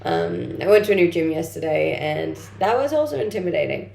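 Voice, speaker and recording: A woman's voice: lowish voice, lively intonation, brisk, gravelly, warm tone. A young woman from Denmark, a native Danish speaker, chatting informally on a livestream as she reads and answers viewer comments. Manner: informal, conversational. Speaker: livestream host, content creator. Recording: roomy echo, faint background noise.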